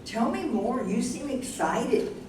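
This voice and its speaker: A woman's voice: fairly high pitch, animated, slow. A woman playing a self-assured, bookish young college student in a staged play reading. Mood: warm interest. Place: indoor venue at a live staged reading. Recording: very echoey, noisy room, far from mic.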